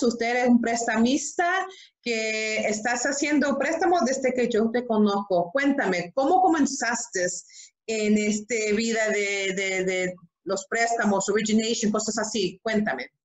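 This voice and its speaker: A woman's voice: fairly high pitch, slow. Chatty woman host in an echoey room. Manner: chatty, affirming with "ujú" and "qué bueno". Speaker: interviewer host. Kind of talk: interview questions.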